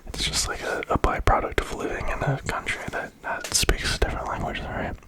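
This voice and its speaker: An ASMR creator, rambling casually in a breathy, unvoiced whisper with a musing, playful manner. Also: brisk, pushed and bright. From America.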